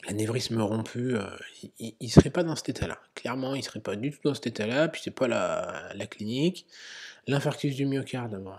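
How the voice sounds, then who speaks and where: A man's voice: medium pitch, a little fast, very noisy. A man, a medical educator, talking through an emergency-medicine quiz in an explanatory way, with many fillers. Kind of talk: narrated quiz lesson.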